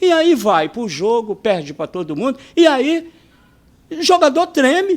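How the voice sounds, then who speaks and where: Very wide pitch swings mark this man's fairly slow delivery. The background is silent, and the recording is very clean. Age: 70s. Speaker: former footballer turned pundit. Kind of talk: casual interview chat. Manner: animated.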